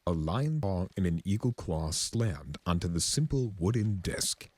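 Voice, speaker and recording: Slow, low-pitched male story narrator. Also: animated, a little mellow, breathy edge, dry recording.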